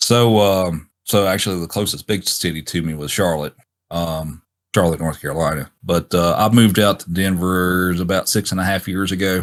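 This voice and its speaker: A man with a very deep, low pitch and an American accent talks at a moderate pace with fairly even intonation, in a very clean recording with a silent background. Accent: Southern, somewhat diminished. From US South, Appalachian Virginia. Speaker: speedrunner. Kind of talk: casual chat. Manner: sped-up speech.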